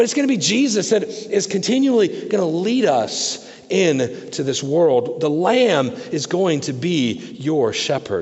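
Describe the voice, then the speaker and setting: Over noticeable background noise, a man talks at a fairly slow pace in a high pitch with very wide pitch swings. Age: 40s. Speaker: pastor. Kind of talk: sermon. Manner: halting.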